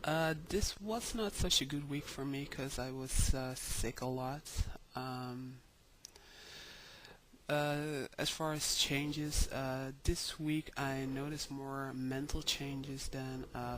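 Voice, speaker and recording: A young man talking slowly in a casual video diary, with many ums and pauses, tired. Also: mid-range voice, steady tone, a bit bright, a little hiss or hum, poor audio. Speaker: vlogger.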